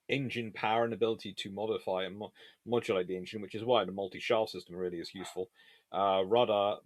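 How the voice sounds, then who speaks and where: A man's voice: lowish voice, no echo, poor audio. A man hosting a casual live question-and-answer session, talking in a rambling, discursive way and often correcting himself. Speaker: host answering viewer questions on naval history.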